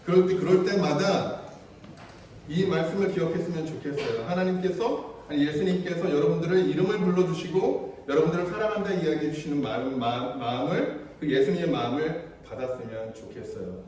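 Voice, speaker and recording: A man preaching a children's sermon as pastor, chatty and playful, speaking gently to the kids. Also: fairly high pitch, expressive, brisk, a little hiss or hum. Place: church sanctuary. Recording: echoey church hall from far off.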